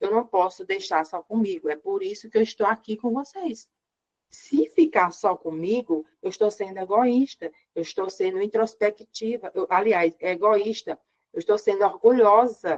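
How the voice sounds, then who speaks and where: A woman talks at a fairly slow pace with lively intonation and a medium pitch, in a normal speaking voice. The sound is dry and close with no echo. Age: 60s. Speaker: doctor and women's health educator. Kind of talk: informal talk to camera. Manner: fluent, practiced public speaker.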